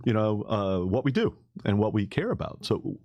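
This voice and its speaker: A man's voice: on the low side, big pitch swings, moderate pace, darkish tone, no room sound. A man hosting a podcast, asking interview questions in a friendly, joking, conversational way. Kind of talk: interview questions, casual chat.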